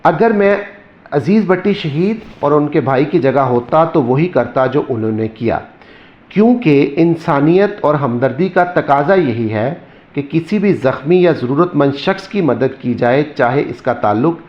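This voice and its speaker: A male teacher explaining a grammar lesson step by step, repeating example sentences slowly. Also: on the high side, expressive. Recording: echoey room, dull lo-fi sound.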